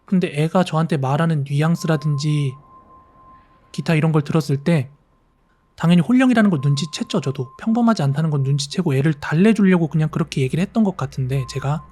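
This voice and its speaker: A man narrating a horror story in a relaxed, conversational first-person way. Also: on the high side, quick pace. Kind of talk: calm spoken horror storytelling.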